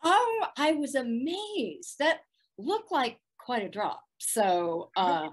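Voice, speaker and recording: A middle-aged woman with a soft, soothing voice, chatting as a guest in a video-call interview from a room at home, laughing often. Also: fairly high pitch, sing-song, slow pace, breathy edge. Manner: warm, laughs often, thoughtful. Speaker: voice actress guest.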